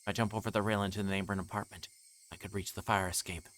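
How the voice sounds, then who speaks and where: A man's voice: on the low side, little pitch movement, quick pace, a bit bright. A man streaming a game, reading its narration aloud in a dramatic way, with game music behind him.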